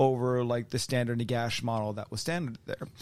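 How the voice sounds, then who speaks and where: At a moderate pace, a man with an ordinary speaking voice talks in a medium pitch with fairly even intonation. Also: very clean recording, silent background. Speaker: guest, tabletop wargame hobbyist. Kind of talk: casual interview.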